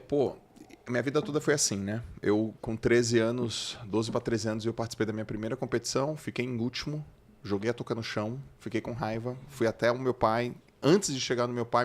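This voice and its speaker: A man's voice: medium pitch, a little fast. A middle-aged man, a guest speaker telling stories and acting out what people said. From Brazil. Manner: storytelling, acts out quotes. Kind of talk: casual chat.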